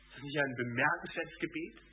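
A man's voice: on the high side, fairly quick, slight background noise. A man preaching a sermon, earnest and emphatic, repeating words for stress. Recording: phone-like narrow sound.

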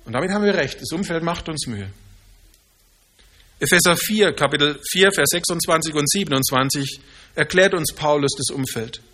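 A man preaching a sermon in earnest, slowing down to stress key phrases. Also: a little high, pushed and bright.

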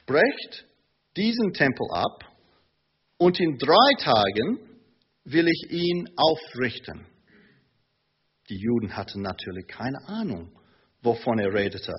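Guy preaching slow, husky voice, big swings in pitch, dull lo-fi church recording. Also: sing-song. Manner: slow, emphatic preaching with rising intensity; hesitant fillers between phrases. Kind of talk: sermon. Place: church in Munich.

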